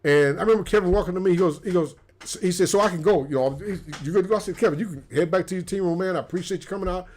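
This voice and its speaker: A man's voice: high voice, racing, few pauses, darkish tone. Rambling man telling stories. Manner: rambling, repeats words while telling war stories. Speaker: co-host. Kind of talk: casual storytelling chat.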